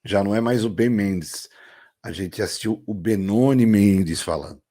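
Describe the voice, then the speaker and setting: A man's voice: fairly low pitch, moderate pace. A man from Brazil hosting a reaction video, talking to viewers and praising what he has just watched. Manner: warm, repeats praise, addresses viewers directly. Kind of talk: casual reaction commentary.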